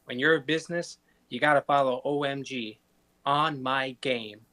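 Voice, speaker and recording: A man improvising a self-assured veteran businessman with a confident, sales-pitch delivery. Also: fairly even intonation, normal speed, bright, forceful tone, natural voice. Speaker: improv performer.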